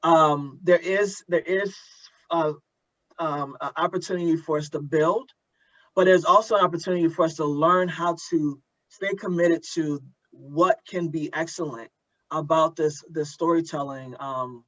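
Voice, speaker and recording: A man with a fairly high-pitched voice hosts an earnest conversation. He is reflective and halting, often repeating words as he works toward a point. The recording is a little dull and lo-fi. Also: steady tone, a bit bright. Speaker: interviewer and host of an audio drama community event. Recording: dull lo-fi audio.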